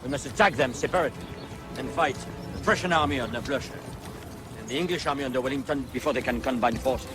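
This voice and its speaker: An actor playing a male emperor giving brisk, authoritative battle orders to his officers, with music behind. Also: mid-range voice, close to an everyday voice. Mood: commanding. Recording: film soundtrack with music.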